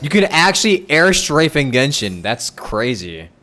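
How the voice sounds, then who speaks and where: A man's voice: a little high, sing-song, a little slow, pushed and bright. A man livestreaming a game with casual, informal commentary, full of exclamations and muttered asides. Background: game music.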